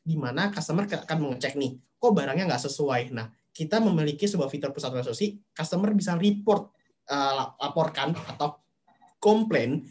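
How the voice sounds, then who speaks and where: A man's voice: a little high, lively intonation, brisk, darkish tone. A man speaking for a marketplace company in a webinar, explaining step by step and leaning on fillers. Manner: explanatory, leans on fillers and "nah". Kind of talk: webinar presentation.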